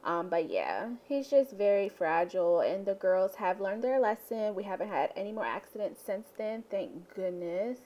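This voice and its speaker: A woman's voice: medium pitch, sing-song, normal speed, hardly any pauses, warm tone. A young woman and mother chatting casually in a home vlog, rambling with lots of ums. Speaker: vlogger, mother. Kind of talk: casual family vlog chat. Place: home living room.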